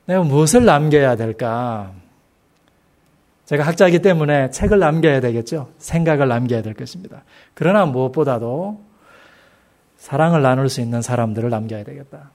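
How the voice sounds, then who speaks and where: A middle-aged man preaching a sermon in a church, speaking slowly and emphatically and asking the congregation rhetorical questions. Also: medium pitch, expressive, a little mellow. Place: church sanctuary.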